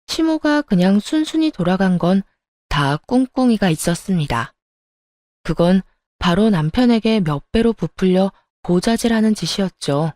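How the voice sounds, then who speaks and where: A woman narrating a first-person radio story in a calm, firm manner, also speaking the wife's lines. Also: medium pitch, normal speed, no echo, clean studio sound.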